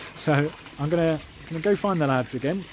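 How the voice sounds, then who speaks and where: There is noticeable background noise, but the sound is dry with no echo. A man talks with ordinary pitch variation. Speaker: koi hobbyist vlogger. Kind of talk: casual vlog chat. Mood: enthusiastic, relaxed. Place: garden. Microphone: phone near.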